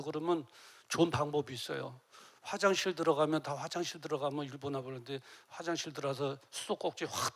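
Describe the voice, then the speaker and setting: A middle-aged man preaching a sermon as pastor, emotional, dropping to near-whispers and rising to loud cries as he acts out tearful prayers. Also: a little high. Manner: emotional, swings from soft to loud.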